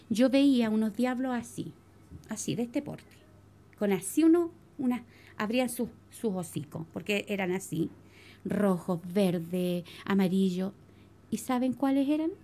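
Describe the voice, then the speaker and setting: Middle-aged Chilean churchwoman, lively testimony storyteller, fairly high, warm tone. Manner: animated storytelling, addresses listeners as brothers. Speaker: church member giving testimony. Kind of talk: spoken religious testimony.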